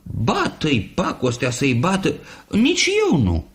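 A man voicing a flock of fussy female geese in a storybook poem. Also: huge pitch swings. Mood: shrill fussing. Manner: shrill, fussing.

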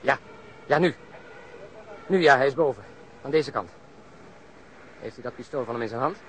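A man's voice: medium pitch, normal speed, a bit bright, slight background noise, natural voice. A man acting a commanding, probing senior policeman in a Dutch radio drama. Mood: tense. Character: commanding senior policeman planning a rooftop operation.

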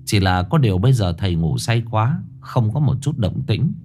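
A man narrating a horror story in an expressive, suspenseful way. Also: fairly low pitch, moderate pace.

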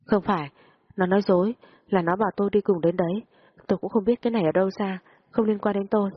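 A woman's voice: steady tone, brisk, husky, dull audio, natural voice. A woman voicing a frightened young woman who pleads while crying, her voice rising. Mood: tearful pleading. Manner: pleading, higher and tearful. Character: frightened young woman under police questioning.

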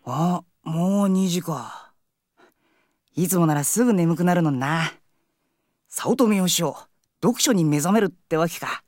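A woman playing a cheerful, cocky high school boy with a playful, theatrical way of talking, in an anime-style audio drama. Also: lively intonation, measured pace, pauses often, a little mellow, no room sound. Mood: musing.

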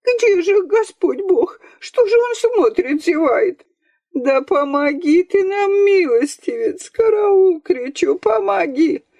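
Woman voicing a shrill scolding old grandmother. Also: expressive, slow, warm tone, no room sound, heavily acted. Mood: lamenting. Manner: shrill scolding and sing-song lamenting.

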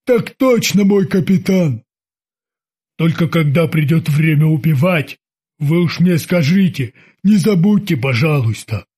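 A man's voice: on the high side, lively intonation, breathy edge. Man doing a bellowing hot-headed sailor. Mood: gruff. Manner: yelling, drawn-out threats. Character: hot-headed male sailor, shouting and armed.

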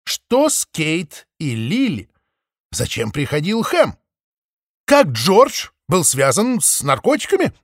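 A man's voice: on the high side, sing-song, moderate pace, no echo, clean studio sound. A man doing an eager lady sheep detective. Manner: eager, insistent. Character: curious determined female sheep detective.

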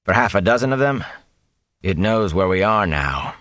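A man's voice: on the low side, animated, moderate pace, a bit bright, no room sound. A man reading an audiobook and voicing a stern male warrior who speaks curtly and impatiently. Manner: curt, impatient.

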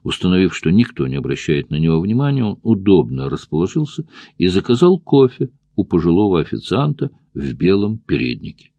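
A male narrator reading a thriller audiobook in a steady, measured way. His voice is very deep, with a dark, mellow tone. The recording is close and dry, with no room sound. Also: no echo, muffled recording. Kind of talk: scripted narration of a thriller novel.

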